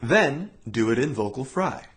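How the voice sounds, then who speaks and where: Guy teaching vocal cord exercises, calm and clear, voice goes up and down a lot. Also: medium pitch, a little slow. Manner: calm, clear step-by-step explaining with sung demonstration sounds. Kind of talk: instructional voice lesson.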